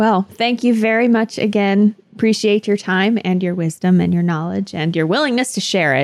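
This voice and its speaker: A woman speaks in an ordinary speaking voice at a medium pitch, with ordinary pitch variation. Her pace is moderate, and the recording is very clean with a silent background. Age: 20s. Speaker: fitness podcast co-host. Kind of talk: casual interview.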